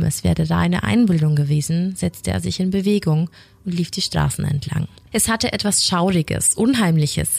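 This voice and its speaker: A woman co-host reading a horror story aloud in a slow, dramatic storytelling manner. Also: on the low side, gravelly, darkish tone, no echo. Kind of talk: scripted narration.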